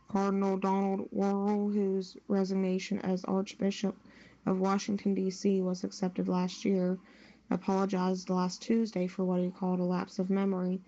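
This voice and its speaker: A woman's voice: medium pitch, dark tone, lo-fi sound. A woman reading written news stories aloud on a podcast. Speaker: news story reader.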